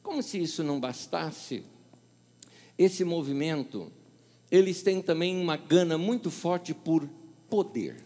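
A man's voice: a little high, in a large hall. A male pastor with a Paulistano Brazilian Portuguese accent preaching a sermon, telling stories and acting out the dialogue. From São Paulo, Brazil. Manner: storytelling, acting out dialogue with lively shifts.

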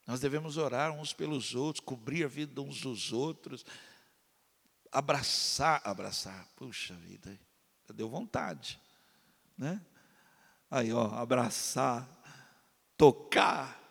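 Impassioned pastor preaching in a reverberant hall. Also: male voice, takes it slowly, gravelly, pauses often. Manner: swings from loud impassioned pleas to low quiet asides. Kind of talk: sermon.

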